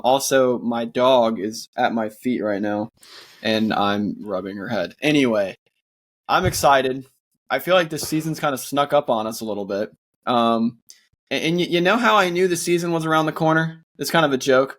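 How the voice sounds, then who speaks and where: A man's voice: mid-range voice, expressive, a little fast, a bit bright. A man co-hosting a casual sports podcast, talking earnestly with a sore throat and plenty of fillers. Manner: earnest, rambling with many fillers and restarts. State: sore throat, voice sounds worn. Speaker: podcast co-host.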